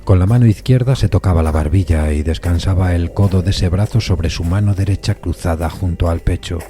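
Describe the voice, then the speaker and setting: A man giving a measured, literary dramatic narration of a classic suspense story. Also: low voice, mellow. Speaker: narrator of an audio fiction adaptation.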